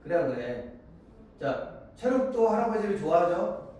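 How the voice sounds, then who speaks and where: A man in his forties with a high, warm, sing-song voice teaches literature at the front of a big classroom, his pitch rising and falling a lot. He keeps asking students to agree and acts out dialogue, voicing characters and students in quick voices. The sound is very echoey and distant with a faint hiss.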